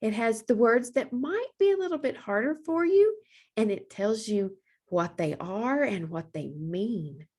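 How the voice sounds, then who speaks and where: A woman reading aloud for young children as a librarian, with deliberate, expressive phrasing. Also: on the high side.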